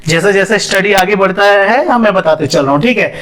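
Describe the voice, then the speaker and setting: A man's voice: sits high, expressive, brisk, a bit bright. A young man teaching a biology lesson, asking questions and answering them himself, mixing English terms into his speech. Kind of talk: classroom lesson with whiteboard.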